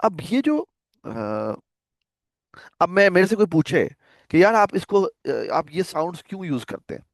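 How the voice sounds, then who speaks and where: A man's voice: high-pitched, lively intonation, unhurried, no echo, clean studio sound. A man teaching a programming class on a video call, talking casually and often asking students whether they follow. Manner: conversational, checks understanding with frequent questions. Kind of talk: casual online lecture.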